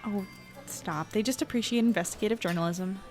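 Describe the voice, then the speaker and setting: An actress playing an earnest, slightly uncertain newspaper reporter, talking in a natural, conversational way. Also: female voice, mid-range voice, brisk, a little mellow, faint music behind, close to an everyday voice. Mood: casual, guarded. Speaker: young reporter. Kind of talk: naturalistic audio drama acting.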